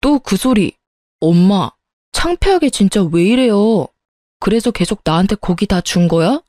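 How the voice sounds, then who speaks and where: A woman's voice: medium pitch, animated, measured pace, dark tone, dry recording, studio quality, close to an everyday voice. A woman voicing a grown son and husband who protests in exasperation at his mother in a storybook tale. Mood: exasperated.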